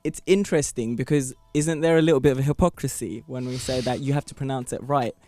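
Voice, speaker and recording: A man's voice: mid-range voice, steady tone, quick pace, dark tone, no room sound. A British man on a radio panel, joking and provocative, thinking aloud with ums. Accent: British English. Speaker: studio panel guest. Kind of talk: debate discussion.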